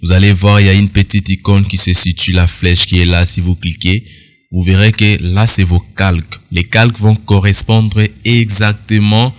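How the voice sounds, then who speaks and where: Man, very low voice, casual software tutorial, explains step by step to viewers. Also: level tone, moderate pace. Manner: explanatory, addresses viewers directly, casual asides. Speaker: tutorial instructor. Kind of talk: screen-recorded software tutorial.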